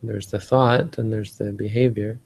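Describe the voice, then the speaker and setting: A man's voice: lowish voice, fairly even intonation, a little slow, vocal fry, a little mellow, slightly rough. A Canadian man giving a rambling casual talk on a live stream, often restarting and searching for words. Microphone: live stream setup.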